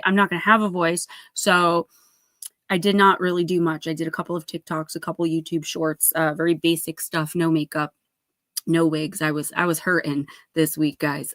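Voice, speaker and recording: A woman's voice: lowish voice, a bit bright, no room sound, studio quality. Chatty, effusive woman in her forties. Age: early 40s. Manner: effusive, chatty, addressing viewers with endearments. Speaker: livestream host and oracle card reader. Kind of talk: casual livestream chat, greeting viewers.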